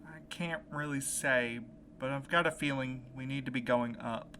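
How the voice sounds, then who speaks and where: Man playing an earnest, determined man, bright-voiced. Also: medium pitch, steady tone, normal speed, a little hiss or hum, lightly acted. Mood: urgent, insistent. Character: determined, anxious young man set on rescuing his friend. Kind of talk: naturalistic audio drama acting.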